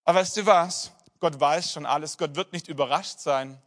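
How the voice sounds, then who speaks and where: High-voiced pastor preaching a sermon. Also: male voice, normal speed. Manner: personal storytelling, drops to soft emphasis.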